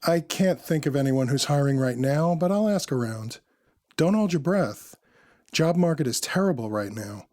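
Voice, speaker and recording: Polished, sassy woman friend, played by a man: wry, teasing, brisk, raised pitch, fiction podcast. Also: animated, a little mellow, natural voice. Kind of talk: acted dialogue in an audio fiction story.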